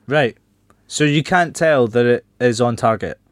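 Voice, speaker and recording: A man hosting a football podcast, brisk and teasing as he reads results and questions guests. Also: mid-range voice, dry recording, studio quality. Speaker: host.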